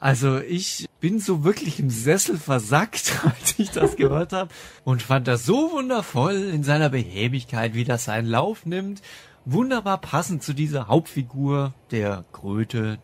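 A man's voice: medium pitch, husky. A man hosting a podcast, reviewing in a casual, chatty and enthusiastic way with a ready laugh. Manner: enthusiastic, laughs often while talking. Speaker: podcast host reviewing audio dramas.

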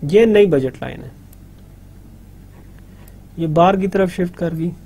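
Drawing a diagram as he lectures in an indoor studio, a middle-aged male university lecturer, a native Urdu speaker with a South Asian accent, talks at a racing pace. His high-pitched voice has a dark tone, and he comes across as somewhat hesitant.

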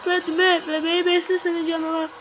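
A woman with a very high, sharp and bright voice talks through a horror game as she plays. She is jumpy, curses under her breath and mumbles prayers. A faint hiss sits under her voice. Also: steady tone, measured pace. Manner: jumpy, swears and shrieks when startled; mutters prayers under breath when scared. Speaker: gamer. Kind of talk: horror game let's play commentary.

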